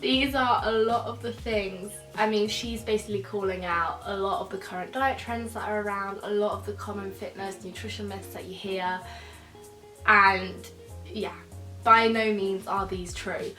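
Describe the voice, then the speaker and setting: A young woman, a nutrition student, talking casually to camera while croaky and stuffed up from a cold, explaining things in a chatty way. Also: mid-range voice, fairly even intonation, normal speed, far from the mic. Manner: chatty and explanatory, many fillers like "so" and "yeah". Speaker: nutrition student reacting to videos. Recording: echoey room, voice a bit off-mic, soft music behind.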